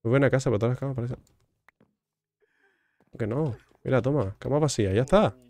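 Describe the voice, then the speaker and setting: Gamer guy joking around w the villagers, mostly mumbling low, dry close mic. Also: fast, darkish tone, dry recording. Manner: joking, teasing, chatty with game characters. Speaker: gaming streamer. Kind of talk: casual gameplay commentary.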